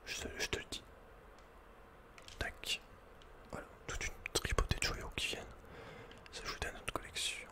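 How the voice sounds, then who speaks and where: A man's voice: normal speed, pauses often. Whispering man doing gaming ASMR. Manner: whispering throughout. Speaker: ASMR gamer host. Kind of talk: whispered ASMR video game playthrough.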